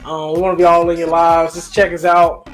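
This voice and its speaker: A man with a high voice talks as co-host of a casual review show. His delivery is informal and halting, with sentences restarted mid-thought, and faint music plays behind him. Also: monotone. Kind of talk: casual movie review chat.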